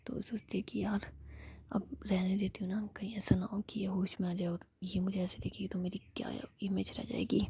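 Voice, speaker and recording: A woman narrating a story in a soft, steady whisper. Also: medium pitch, gravelly, slightly rough.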